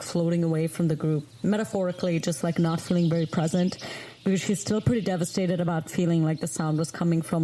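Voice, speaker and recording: Mellow, lowish-voiced woman narrating haltingly. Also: slight background noise. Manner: halting, heavy use of "like". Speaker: tabletop game player. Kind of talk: casual in-character game narration.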